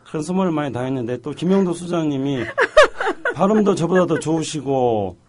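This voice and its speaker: A man's voice: fairly high pitch, animated, a little fast, background noise. A middle-aged man as a talk show guest, telling stories in a joking, self-deprecating way. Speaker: guest, policy director.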